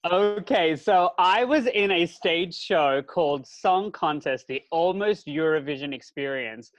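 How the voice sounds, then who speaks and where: A man's voice: fairly high pitch, a little slow, no room sound, dull audio. A man co-hosting a podcast in casual chat, upbeat and enthusiastic. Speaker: podcast co-host.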